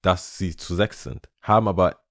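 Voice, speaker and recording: Low-voiced guy co-hosting a podcast, chatty, throws in english words, dry close sound. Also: moderate pace, dry recording. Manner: animated, mixes English words into German, searches for words. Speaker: podcast co-host. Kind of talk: casual chat.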